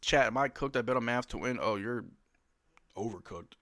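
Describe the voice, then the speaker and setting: A man's voice: mid-range voice, normal speed. Guy doing live play by play for his stream, hyped fan energy, cracking jokes to chat. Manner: excitable, joking fan reacting to chat. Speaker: livestream host. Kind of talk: live play-by-play watch-along commentary.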